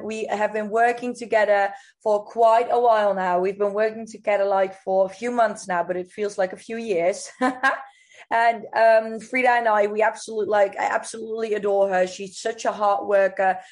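A woman hosting a podcast interview in an enthusiastic, gushing manner. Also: mid-range voice. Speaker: podcast host and coach.

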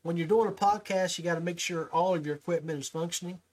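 A man's voice: a little high, fast, low-quality recording. A man hosting a fishing podcast, talking in a folksy way and often repeating his first words. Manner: folksy, repeats words when starting sentences. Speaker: podcast host. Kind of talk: casual podcast interview. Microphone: call audio with his own mic.

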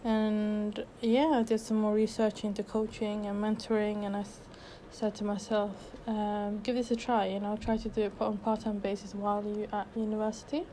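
A young woman from Sweden chats through her own unedited podcast as a life coach, upbeat and loose, full of fillers and restarts. Her voice stays mellow and fairly level in pitch, and she sounds a little out of breath. Faint noise hums behind her. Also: monotone, normal speed, hardly any pauses. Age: 20s. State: a bit out of breath. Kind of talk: casual unedited solo podcast.

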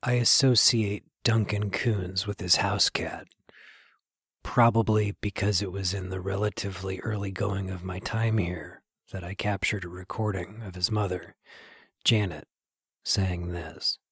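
An actor playing a quiet, brooding archivist who narrates a podcast drama in a measured, confiding way. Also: male voice, sits low, fairly even intonation, breathy edge, no room sound, studio quality, full character voice. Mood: measured, pondering. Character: quiet, brooding male archivist narrator of small-town recordings. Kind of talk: scripted narration.

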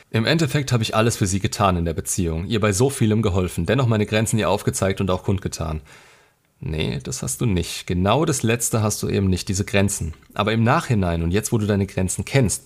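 A man hosting a show, reading a viewer's relationship story aloud and commenting on it bluntly and sarcastically. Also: lowish voice.

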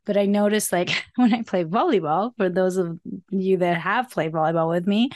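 A woman hosting a self-help podcast, speaking in a soft, fairly high voice, earnest and encouraging, often adding "like" and "right?". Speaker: podcast host.

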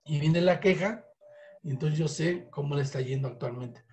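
High-voiced Mexican man coaching sales. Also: a little mellow. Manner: coaching tone that acts out sample phone calls in quick voices. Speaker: sales trainer. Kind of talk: motivational sales training talk.

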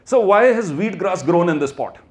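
Higher-voiced North Indian man, motivational speaker. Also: expressive, normal speed. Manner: emphatic, prompting listeners with questions and repetition. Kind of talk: motivational talk to a live audience.

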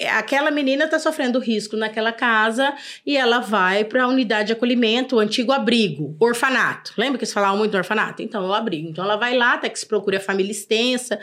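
Earnest Brazilian woman telling stories. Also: medium pitch. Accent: Brazilian Portuguese. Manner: earnest, animated storyteller. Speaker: social services secretary, podcast guest. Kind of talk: casual podcast storytelling.

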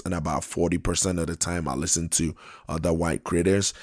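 A man hosting his own podcast in casual, unhurried talk, hoarse because he is losing his voice, often repeating and restarting phrases. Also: low voice, no echo, studio quality. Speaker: podcast host.

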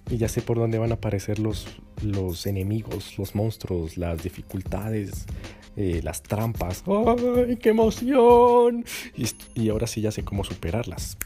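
Man, low voice, mellow tone, lively podcast host, faint music behind. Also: moderate pace. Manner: animated, acts out inner voices with gasps and exclamations. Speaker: dating coach podcast host. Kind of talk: motivational podcast monologue.

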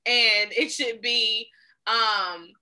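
A woman's voice: fairly high pitch, steady tone, drawn-out words, sharp tone. A woman with an African American accent chatting casually and emphatically, full of slang and swearing. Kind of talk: casual opinionated chat.

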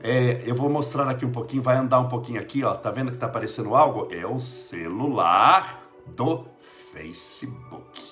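A Brazilian man with a mid-pitched voice hosts an informal religious livestream while sick with a cold. He talks like a preacher in conversation, circling back to repeat phrases for emphasis. Music plays faintly behind him. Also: normal speed, a bit bright. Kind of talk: informal live spiritual talk.

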